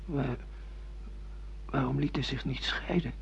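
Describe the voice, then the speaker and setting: A man's voice: medium pitch, measured pace, gravelly, slight background noise. A man acting a bewildered, sardonic middle-aged amnesiac husband in a Dutch radio play, with theatrical, ironic delivery. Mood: polite, bewildered. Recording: muffled lo-fi radio play recording.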